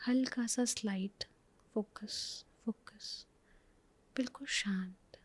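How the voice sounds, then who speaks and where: A woman with an Indian accent leads a guided relaxation in a soothing, repetitive, reassuring way, with a breathy voice that often drops to a whisper. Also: a little high, takes it slowly. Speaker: spiritual healer leading a guided relaxation. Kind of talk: guided meditation, hypnotic instruction.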